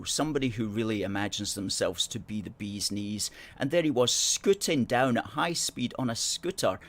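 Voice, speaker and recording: A middle-aged man with an educated Scottish accent, hosting a livestream and replying to viewer comments in a chatty, sardonic way. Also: lowish voice. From born in Hong Kong. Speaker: host.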